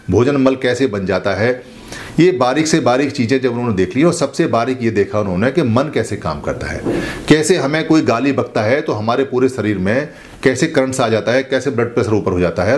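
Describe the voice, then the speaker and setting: Man giving a slow, repetitive dharma talk. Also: mid-range voice. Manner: slow, repetitive, explanatory preaching. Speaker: Buddhist teacher.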